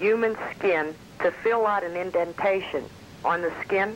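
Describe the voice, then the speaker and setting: Light background noise behind a female speaker, moderate in pace, with ordinary pitch variation. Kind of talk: call-in question. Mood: polite, admiring. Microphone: phone line.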